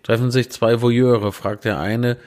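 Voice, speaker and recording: A man's voice: mid-range voice, fairly even intonation, a little slow, a little mellow. A man reading out puns in a dry, plain way, with self-mocking asides, recorded indoors on a handheld recorder set on a small tabletop tripod. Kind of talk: casual joke reading.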